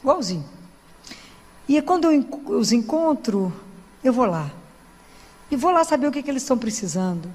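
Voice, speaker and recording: High-voiced woman preaching in a church. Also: sing-song, normal speed, long pauses, breathy edge. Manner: warm storytelling with frequent "né?" asides. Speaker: Catholic lay preacher. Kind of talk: sermon to a congregation. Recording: long hall reverb.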